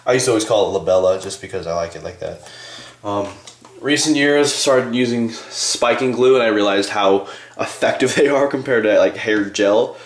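Male vlogger, twenties, lowish voice, offhand and informal, casual rambling delivery, echoey small bathroom sound. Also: normal speed. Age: 20s. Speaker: bodybuilding vlogger. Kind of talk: casual rambling vlog to viewers. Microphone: handheld camcorder at arm's length.

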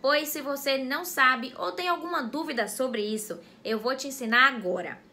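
A woman with a Brazilian Portuguese accent explaining a grammar lesson in a clear, didactic way, speaking directly to viewers. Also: sits high, moderate pace, pushed and bright. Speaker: teacher. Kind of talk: educational explainer video.

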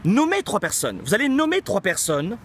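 A man's voice: high-pitched, huge pitch swings, moderate pace, fairly bright tone, slight background noise. A man in his forties, a coach giving an emphatic motivational talk to camera outdoors, asking rhetorical questions and repeating key phrases. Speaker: coach and company founder. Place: outdoors in a park. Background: background music.

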